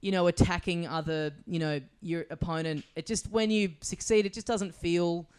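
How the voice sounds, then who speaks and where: A man's voice: sits high, steady tone, moderate pace, clean tone. An Australian man co-hosting a podcast, chatting casually and rambling with lots of fillers and restarts. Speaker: podcast co-host. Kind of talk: casual chat. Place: small studio.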